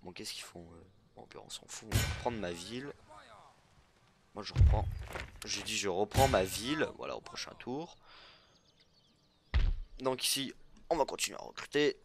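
Guy doing a chill let's play, lots of euh and restarts, lowish voice, faint hiss. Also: normal speed, pauses often. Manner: hesitant, full of euh fillers. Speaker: gaming YouTuber. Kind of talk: casual let's play commentary.

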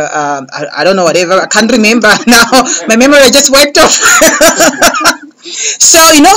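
A man's voice: sits high, sharp tone, low-quality recording. A young adult man speaks as a comedian guest on a radio show, close to a studio microphone. He talks in a loose, rambling way, circling back with fillers and repeated words while he works toward his punchlines. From Malawi and South Africa. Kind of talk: radio interview. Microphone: large studio mic close above.

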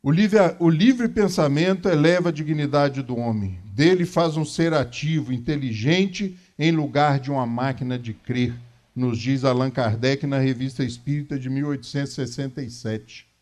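A man's voice: mid-range voice, normal speed, darkish tone. A man in his fifties with a Brazilian accent gives a religious lecture, didactic and conversational, repeating key phrases for emphasis. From Minas Gerais, Brazil. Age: 50s. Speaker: lecturer at a Spiritist centre. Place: small meeting room, indoors.

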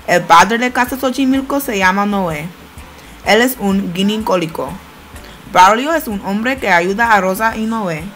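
Young woman, careful learner's narration, mid-pitched voice, faint music underneath. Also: a bit bright, rough recording. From United States. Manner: plain, careful learner's delivery. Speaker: student narrating a study-abroad video. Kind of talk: read-aloud voice-over narration.

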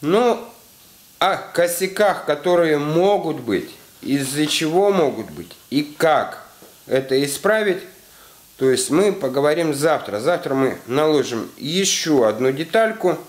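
A man's voice: a little high, lively intonation, unhurried. Man explaining a workshop hands-on tutorial. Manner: explanatory, repeats "то есть", filler-heavy. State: slightly ill. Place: indoor garage workshop. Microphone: camera mic, handheld close.

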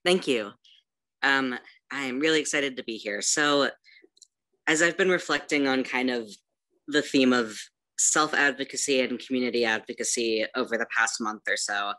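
Young man, bright crisp tone, thoughtful pauses, video call from home. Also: mid-range voice. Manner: thoughtful, hesitant, with pauses and "kind of". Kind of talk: reflective panel talk. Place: home room, yellow wall.

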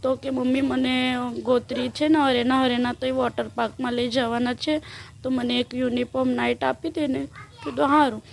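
Tearful mother, gravelly voice. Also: sits high, little pitch movement, moderate pace. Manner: quiet, tearful retelling. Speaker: grieving mother. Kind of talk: interview recollection.

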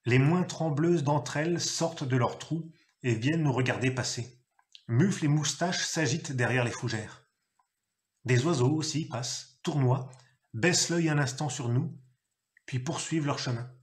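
A man reading a novel aloud, telling it expressively and acting out a gruff father's shouted lines. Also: medium pitch, normal speed. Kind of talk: literary reading.

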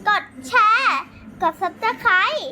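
A woman's voice: very high voice, extremely slow, heavy background noise. A young girl with a playful, chattering manner, role-playing a children's story as the host of a channel. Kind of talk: improvised children's game role-play narration. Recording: music behind the voice. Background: background music.

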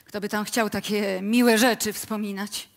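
An actress playing a mayor's bewildered widow in a radio play, expressive and incredulous. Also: female voice, medium pitch, unhurried, lightly acted. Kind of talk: live radio play acting.

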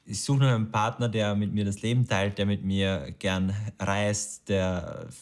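A thirty-year-old man, talking in a relaxed, plain way in an interview at home. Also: on the low side, unhurried. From Lower Austria. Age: 30s. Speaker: dating show candidate. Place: home kitchen.

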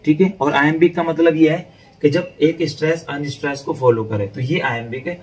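A man's voice: fairly high pitch, moderate pace, recorded from a distance, low-quality recording. A man teaching an informal online literature class, chatty and repetitive, often calling his students "beta" and checking in with them. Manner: chatty, addresses students as "beta", repeats and checks "theek hai". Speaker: online English literature tutor.

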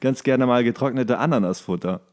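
A man's voice: medium pitch, a little fast, a little mellow. A man hosting a podcast in casual, joking chat, given to playful exaggeration. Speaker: podcast host.

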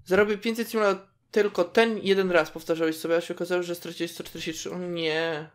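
A woman's voice: fairly low pitch, steady tone, quick pace. A woman casually commenting on her game, chatting to her characters and reacting as she plays. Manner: chatty, talks to her game characters, squeals at cute moments. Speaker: gaming video host.

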